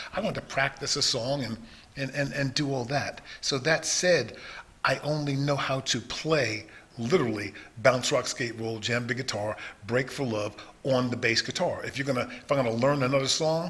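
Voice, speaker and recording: In a New York accent, a man of medium pitch speaks at a moderate pace with ordinary pitch variation. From New York (Yonkers). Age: 60s. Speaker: recording artist and bass player. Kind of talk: interview.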